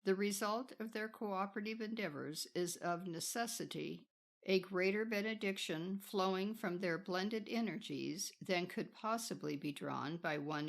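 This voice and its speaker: A woman narrates a spiritual audiobook in a slightly low voice with a noticeable creak. Her phrasing is solemn and deliberate, set out in measured pieces as a scripted reading.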